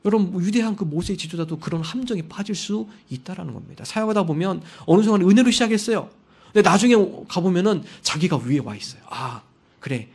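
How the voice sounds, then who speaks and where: A male pastor preaches a Sunday sermon in a high, bright voice. He tells stories and acts out the quoted words of the people in them, pushing certain lines out loudly for emphasis. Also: animated, fast, breathy edge. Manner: storytelling with acted quotes; rising to loud emphasis on key lines.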